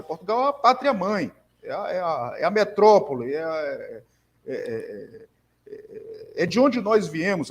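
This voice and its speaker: Halting, earnest Brazilian man, slightly high. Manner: halting, many repeated fillers and restarts; earnest, emphatic convictions. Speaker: conversation partner, bookseller. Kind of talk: conversational discussion.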